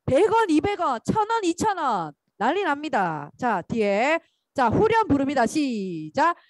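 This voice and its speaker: A woman's voice: high-pitched, big pitch swings, normal speed, no room sound. A woman preaching to children at a church, calling out lines for them to repeat. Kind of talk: sermon to children.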